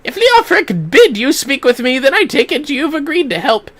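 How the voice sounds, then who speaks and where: A performer acts out a fussy male villager from a fantasy game. The voice sits high and swoops around, declaiming in formal, archaic phrases with frightened indignation. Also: big pitch swings, normal speed, fairly bright tone, full character voice. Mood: earnest, indignant.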